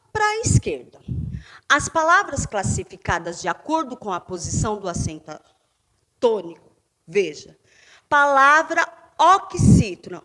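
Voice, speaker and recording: A Brazilian woman teaching a fifth-grade class in a remote lesson, stressing syllables loudly as she sounds out words. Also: medium pitch. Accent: Brazilian Portuguese.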